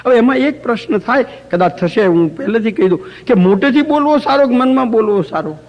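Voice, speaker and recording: High-pitched guy teaching a religious class, tells funny little stories, chants examples out loud. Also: lively intonation, a little fast. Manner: storytelling, demonstrates chanting aloud; light humor with anecdotes. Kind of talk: lecture to a live group. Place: community center hall.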